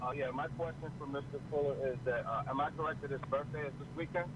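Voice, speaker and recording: A male caller on a clipped phone line, asking a radio guest a question in a quick, eager, admiring way. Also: on the high side, steady tone. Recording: tinny phone line with faint noise.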